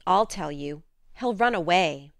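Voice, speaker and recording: A woman's voice: fairly low pitch, animated, a little slow, no echo. A woman reading a spirited, outspoken teenage girl who speaks earnestly and frankly.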